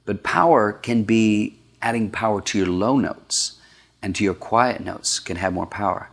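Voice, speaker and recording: A man as a vocal coach hosting a weekly vocal tip, explaining singing technique in a clear instructional way with short demonstrations. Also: lowish voice, a little slow. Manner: explanatory, with sung and syllable demonstrations.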